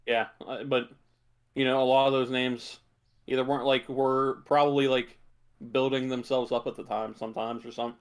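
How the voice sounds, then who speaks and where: A man chatting casually as a podcast co-host, in a halting way full of filler words and hedges. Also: medium pitch, little pitch movement, clear, resonant tone. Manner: halting, hedging delivery with many filler words. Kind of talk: casual chat about video game movies.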